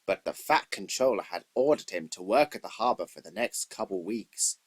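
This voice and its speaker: Husky male storybook narrator. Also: on the low side, animated, moderate pace. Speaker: narrator of a children's train story. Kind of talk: scripted storybook narration, read in takes.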